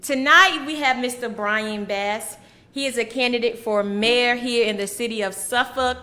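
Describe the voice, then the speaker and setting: A woman hosting a podcast interview, upbeat and chatty, jumping in with quick remarks. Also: on the high side, sharp tone. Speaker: podcast host.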